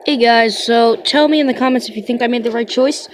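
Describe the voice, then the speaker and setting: A woman's voice: a little high, brisk, slight background noise. A woman video creator speaking casually to her viewers.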